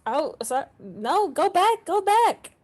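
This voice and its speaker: Woman as a high, swooping, fussy vampire dandy. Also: big pitch swings, slow, a little mellow, heavily acted. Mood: excited. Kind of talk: video-call table read of a comedy film script. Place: remote video-call reading.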